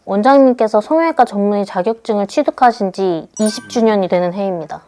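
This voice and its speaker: A woman's voice: mid-range voice, quick pace, mellow, soft background music. A woman asking polite, deferential interview questions.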